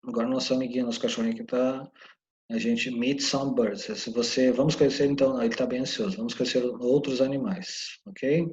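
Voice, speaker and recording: A man's voice: mid-range voice, fairly even intonation, a little fast, darkish tone, highs cut off. Man teaching English. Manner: explains step by step, often checks in with "né?" and "ok?". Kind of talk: recorded online lesson.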